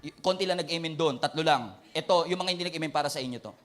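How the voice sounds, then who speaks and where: A male pastor with a Filipino accent preaching a sermon, mixing Tagalog and English, loud and emphatic. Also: a little high, rapid-fire.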